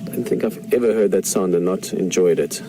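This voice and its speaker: A man's voice: sits low, brisk. A man with a South African accent, an Afrikaans speaker, giving enthusiastic live safari commentary from an open vehicle, chatting to viewers. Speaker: safari guide. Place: outdoors, open game-drive vehicle in the bush. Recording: outdoor noise, vehicle and birds.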